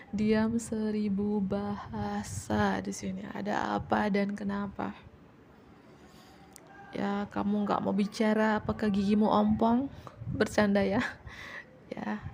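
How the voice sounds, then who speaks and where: A woman giving a casual general tarot reading in a chatty, repetitive way, sometimes dropping to soft whispers and joking playfully. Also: medium pitch, creaky, slight background noise. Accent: Indonesian. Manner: playful, teasing jokes. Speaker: tarot reader.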